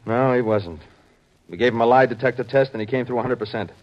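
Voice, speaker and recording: A serious, authoritative security chief, played by a radio actor, questions firmly in a medium-pitched male voice. He is brisk and probing, with 1950s radio drama delivery on a dull, muffled recording. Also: close to an everyday voice. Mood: grave, puzzled.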